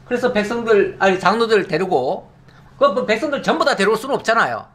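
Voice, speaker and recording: Lively, high-voiced Korean male pastor. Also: fast talker. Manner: conversational, rhetorical questions, frequent affirming "yes". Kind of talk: Bible teaching sermon.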